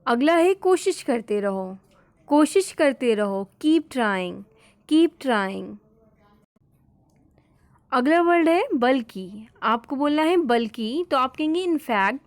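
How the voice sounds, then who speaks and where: A woman's voice: high-pitched, animated, no echo. Patient woman teaching spoken English. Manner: repeats each phrase slowly, patient step-by-step explaining.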